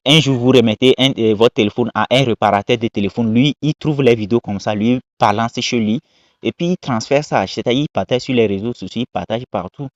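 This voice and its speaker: A man with a medium-pitched voice talks briskly through casual commentary on viral videos, emphatic and moralizing as he repeats his points. The recording is dull, lo-fi, and dry, with no echo.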